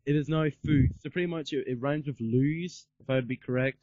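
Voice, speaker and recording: A man's voice: medium pitch, a little fast, dark tone, no room sound, dull audio. A man doing a casual podcast interview in a rambling, repetitive way, peppered with filler words. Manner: rambling, repeats himself, peppers talk with "like".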